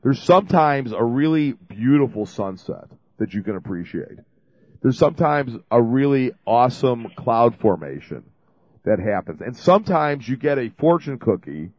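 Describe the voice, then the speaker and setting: A man's voice: mid-range voice, no echo, muffled recording. A man hosting a call-in radio show, talking in a chatty, rambling, jokey way while he has a cold. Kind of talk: casual call-in radio talk. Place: radio studio.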